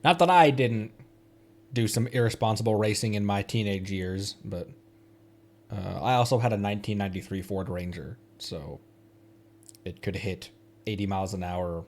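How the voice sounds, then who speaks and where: A man's voice: on the low side, moderate pace. A man giving casual, rambling gameplay commentary as a livestreamer, thinking aloud and often questioning himself. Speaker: game livestreamer. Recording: game music behind the voice. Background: video game music.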